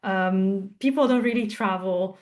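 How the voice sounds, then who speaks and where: A woman's voice: mid-range voice, a little slow. Chatty Italian woman telling her story. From southern Italy. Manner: chatty, storytelling with frequent fillers. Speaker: guest, translator and tech co-founder. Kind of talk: casual podcast interview.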